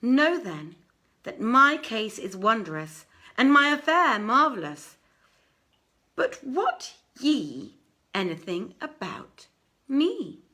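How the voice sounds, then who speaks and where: A woman voicing an anxious, flattering male jeweler in a storybook, speaking earnestly in ornate old-fashioned phrases. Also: fairly high pitch, slow, pitched above the performer's own voice, heavily acted. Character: frightened, flattering male jeweler telling his ordeal.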